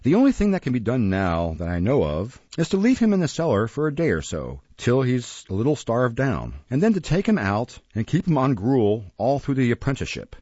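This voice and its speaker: A man's voice: medium pitch, huge pitch swings, a little fast, few pauses, mellow, no room sound, muffled recording. A man voicing a pompous, stern parish beadle in an audiobook, declaiming emphatically. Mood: grave, pompous. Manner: declamatory, emphatic, deferential "ma'am".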